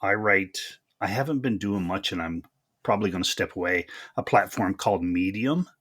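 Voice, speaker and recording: A man's voice: low voice, moderate pace, fairly bright tone. A man hosting a podcast in a casual, conversational interview style, with a folksy, encouraging manner and frequent words of agreement. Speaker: podcast host.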